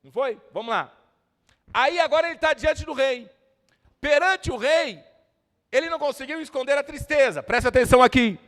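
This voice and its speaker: A man with a Brazilian accent preaching a fervent Pentecostal sermon, swelling to shouts and calling on the congregation. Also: very high voice, moderate pace. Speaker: evangelist preacher. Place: church service hall. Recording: echoey church hall.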